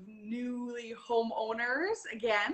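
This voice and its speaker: Someone with a Canadian accent speaks at a very slow pace. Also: woman. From Canada. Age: 30s. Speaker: app user sharing weight-loss story. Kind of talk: interview testimony.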